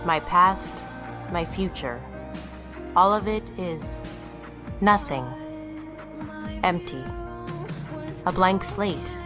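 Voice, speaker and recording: An actress playing a haunted amnesiac woman, narrating bleakly and with measured somberness in an audio drama. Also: lowish voice. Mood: somber, haunted. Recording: music behind the voice.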